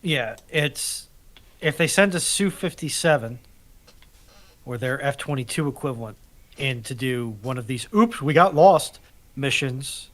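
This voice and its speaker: Male discussion panelist, unhurried delivery, wry and dryly sarcastic, casual conversational commentary. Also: medium pitch, lively intonation, a bit bright.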